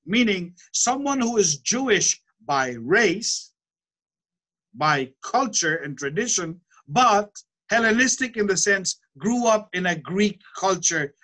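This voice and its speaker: A man giving a measured Bible teaching lecture. He explains step by step, pausing often and asking rhetorical questions. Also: high-pitched, bright, forceful tone, low-quality recording.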